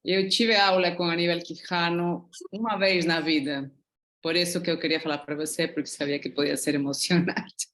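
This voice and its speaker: Middle-aged woman, Peruvian Spanish accent, lowish voice, talkative and reflective. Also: fairly even intonation, normal speed, a bit bright. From Peru. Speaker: student asking a question. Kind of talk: online class comment.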